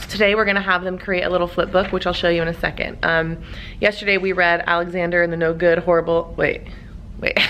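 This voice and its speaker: A woman's fairly low voice at a very fast pace, over noticeable background noise. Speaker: elementary school teacher, vlogger. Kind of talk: casual vlog talk to camera. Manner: animated.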